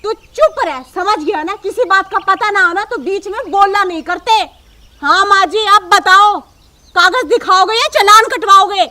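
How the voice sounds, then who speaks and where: A woman playing a sharp-tongued young police officer who is also a daughter-in-law. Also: very high-pitched, normal speed. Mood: stern. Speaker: police officer in a comedy telefilm.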